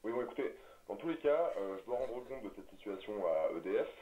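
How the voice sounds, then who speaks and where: Un homme au téléphone pour un canular, au débit hésitant et un peu récité. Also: male voice, on the low side, big pitch swings, fast. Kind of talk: prank phone call recording. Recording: dull lo-fi audio.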